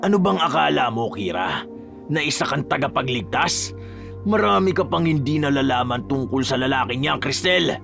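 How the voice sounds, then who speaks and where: A smug aswang villain taunts his foe in a mocking voice, as a male narrator plays him. The delivery is lively, with faint music behind. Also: medium pitch, moderate pace, creaky. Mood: taunting.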